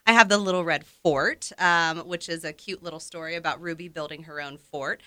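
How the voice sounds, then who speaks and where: Bright, enthusiastic woman co-host. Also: low-pitched, moderate pace. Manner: enthusiastic, laughs often. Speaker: library podcast co-host. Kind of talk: casual book chat.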